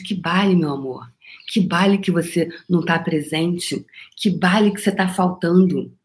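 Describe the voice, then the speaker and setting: Theatrical woman coaching her listeners. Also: mid-range voice. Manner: theatrical, playful, full of rhetorical questions. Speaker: podcast host and energy-cleansing coach. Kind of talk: motivational talk to listeners.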